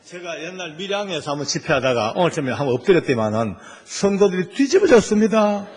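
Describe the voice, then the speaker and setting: A middle-aged man, giving an animated sermon testimony in a church. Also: high voice, quick pace, a little hiss or hum. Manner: animated storytelling with Gyeongsang dialect. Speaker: church elder and prison official preaching. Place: church sanctuary.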